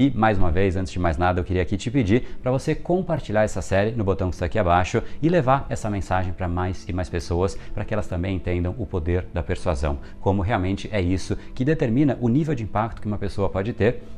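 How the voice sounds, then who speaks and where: A man with a fairly low pitch talks at a very fast pace, with hardly any pauses. His intonation is lively. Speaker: persuasion coach. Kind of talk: scripted narration; lecture.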